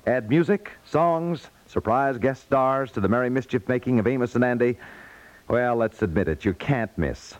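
A man's voice: mid-range voice, normal speed, dry recording. An American man announcing in 1950s network radio style, with folksy, polished salesmanship. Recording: dull, dry 1950s radio recording.

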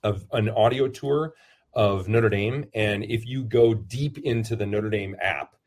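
Low-voiced male priest, interview guest, rambling and self-deprecating, lots of ums. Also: darkish tone. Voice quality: lower voice. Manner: rambling, self-deprecating, many fillers and restarts. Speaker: priest and football chaplain. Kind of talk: casual interview answers.

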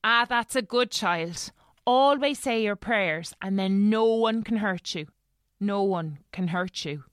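A woman's voice: mid-range voice, slow pace, smooth, dry recording, studio quality, natural voice. A woman playing a kindly, fussing housekeeper in an audio drama, chatty and colloquial, with a rural English accent. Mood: soothing. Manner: chatty, colloquial servant's storytelling.

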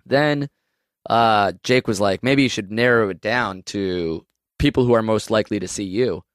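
A man around thirty co-hosting a podcast, joking around in a playful, animated way. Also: fairly low pitch, moderate pace, no room sound, studio quality. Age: late 20s to early 30s. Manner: playful, jokey, animated delivery. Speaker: podcast co-host. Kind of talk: casual chat.

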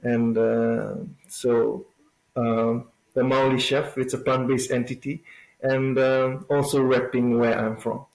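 A man with a Fijian accent talks as an interview guest at a very unhurried pace, pausing often to think. His pitch sits in the middle for a man, and the room around him adds noticeable echo. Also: flat delivery, creaky, a little mellow. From Fiji. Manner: halting, thoughtful, with frequent pauses. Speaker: interview guest, plant-based food business owner. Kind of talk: conversational interview answer. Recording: roomy, echoing sound.

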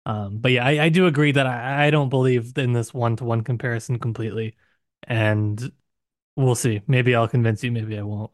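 Male podcast co-host, medium pitch, dry sound, casually airing tentative personal takes on literature. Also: fairly even intonation, moderate pace, dry recording. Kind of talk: casual book discussion.

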